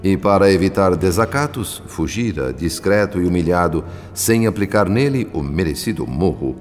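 Brazilian man, low-pitched, solemn radio soap narrator, formal measured delivery, clear music bed. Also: lively intonation. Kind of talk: scripted dramatic narration, literary radio soap. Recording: long reverb, music behind. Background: background music.

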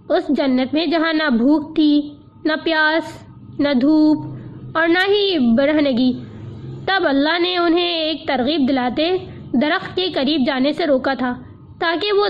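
A woman voicing a calm, soft-spoken male army major. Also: high-pitched. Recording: dull lo-fi audio.

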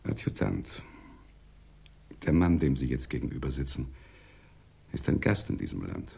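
An actor playing a polite, evasive Arab businessman in a radio drama, speaking in a measured, musing, formal way. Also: rumbling low, big pitch swings, vocal fry, warm tone, breathy edge, full character voice. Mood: polite, firm.

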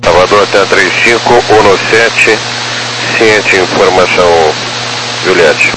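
A man's voice: low voice, takes it slowly, sharp tone. A male pilot over a walkie-talkie style aviation radio, giving terse, clipped readbacks in radio phraseology. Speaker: airline pilot. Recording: noisy distant radio transmission.

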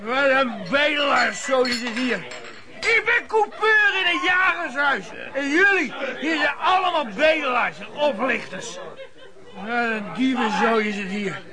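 A drunken, indignant tailor in a radio drama. He is abusive and self-important, drawing out his scornful rants in a very high, slow voice. A noisy crowd surrounds him. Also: animated, heavily acted. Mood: scornful, outraged. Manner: ranting, scornful, drawn-out insults. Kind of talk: radio play acting.

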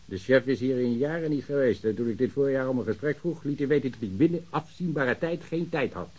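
A man's voice: mid-range voice, expressive, brisk, darkish tone, breathy edge. A man playing an overworked, sardonic police ballistics technician who grumbles and complains in a radio drama. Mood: aggrieved.

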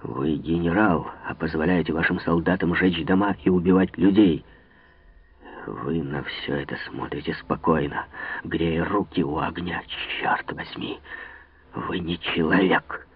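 A man's voice: low-pitched, measured pace, slightly rough, voice pushed down, exaggerated voice. A man doing a fiery young musketeer. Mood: hushed indignation. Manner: indignant, hushed and hissing. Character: hot-tempered young male musketeer. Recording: tinny, phone-like, dry.

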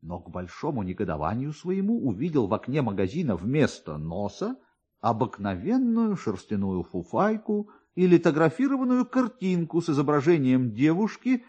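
A man reading a satirical literary story for radio in a theatrical, expressive way, with pointed pauses and emphasis. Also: fairly high pitch, slightly rough, dull audio. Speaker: narrator, actor reading a classic satirical story. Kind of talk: dramatic literary narration for radio.

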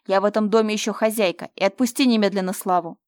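Brief: woman playing a stricken young mother, soft and pleading, dry close voice. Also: medium pitch, fairly even intonation, fairly quick, dry recording, lightly acted. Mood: indignant. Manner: indignant, then faint and whispering. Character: young mother, proud, then dying and weak.

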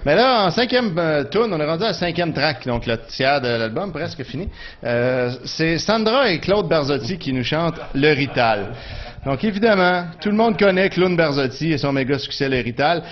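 A man's voice: a little high, lively intonation, normal speed, lo-fi sound, slight background noise. Wry Quebec man, radio columnist. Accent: Quebec French. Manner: wry, sarcastic storytelling. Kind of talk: joking radio chronicle.

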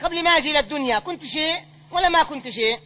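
A sheikh teaches a religious lesson, taking recited verses one line at a time and explaining each in plain colloquial speech. His man's voice sits very high. The recording is dull and lo-fi. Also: expressive, rapid-fire. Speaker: sheikh teaching a creed text.

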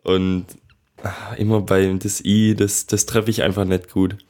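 A young man co-hosting a podcast in an easygoing, teasing manner. His voice sits somewhat low, and he keeps the conversation loose and friendly. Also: little pitch movement, unhurried, a little mellow. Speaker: podcast co-host. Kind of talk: casual chat.

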